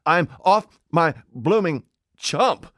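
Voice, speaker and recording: A man voicing an excitable old English tramp who blusters and fumbles his words in an audiobook. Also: a little high, takes it slowly, no echo, studio quality, pitched above the performer's own voice. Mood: flustered. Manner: blustering, flustered, dialect-heavy. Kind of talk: audiobook character voice.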